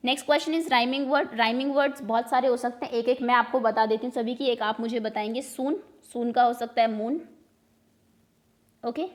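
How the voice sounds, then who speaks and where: A woman teacher with an Indian accent going over exam revision questions, explaining in Hindi and mixing in English words and sentences. She reads each question out slowly, then explains it at a quicker pace. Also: a little high, steady tone.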